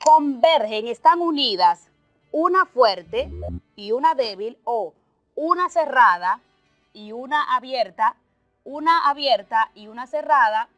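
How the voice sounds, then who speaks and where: A woman teacher, explaining a lesson slowly and carefully, listing terms one by one and working through examples. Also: high voice, lively intonation, fairly bright tone, dry recording, soft background music. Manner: slow, deliberate explaining with lists and examples. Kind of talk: televised remote class.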